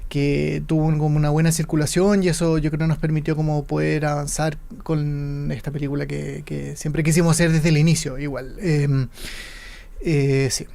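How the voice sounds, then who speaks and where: A man's voice: a little high, level tone, normal speed, vocal fry, dark tone. A man with a Chilean accent from Santiago, a film director talking through his ideas in an interview and searching for words as he goes. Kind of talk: interview conversation.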